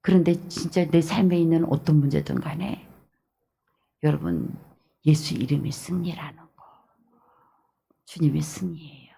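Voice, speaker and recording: A woman pastor with a Jeolla Korean accent, preaching an early-morning sermon in an emphatic, repetitive way with hushed asides. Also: low voice, measured pace, creaky, pauses often, breathy edge.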